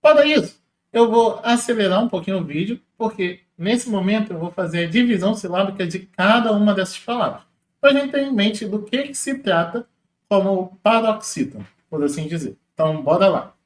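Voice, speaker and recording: A man walks through exam questions as a teacher, in a casual, explanatory way, slowing down to spell out syllables. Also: high voice, lively intonation, echoey room. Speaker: Portuguese teacher.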